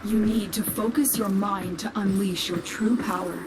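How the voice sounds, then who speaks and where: A woman playing a protective guide and commander in a video game, giving measured, earnest instructions. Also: medium pitch, fairly even intonation, lightly acted. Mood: concerned, guiding. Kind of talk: dramatic video game acting. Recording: loud dramatic music behind.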